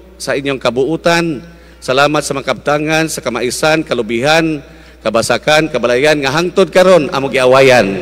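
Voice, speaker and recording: Over noticeable background noise, a man talks fairly slowly at a fairly high pitch with ordinary pitch variation. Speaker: priest. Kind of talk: Christmas Eve Mass homily; fervent preacher, exhorting the congregation. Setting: church with congregation. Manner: animated, fervent, leads call-and-response; warm, jokey, switches between Cebuano and English.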